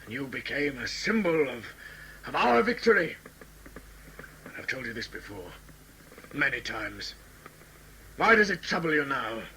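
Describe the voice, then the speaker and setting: Actor as forceful, theatrical tribal lord and father. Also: mid-range voice, very animated, unhurried, long pauses, exaggerated voice, rough recording. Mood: tender, grave. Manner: commanding, formal, theatrical. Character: proud authoritative tribal lord and stern adoptive father. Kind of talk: sci-fi audio drama acting. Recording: amateur audio play with background noise.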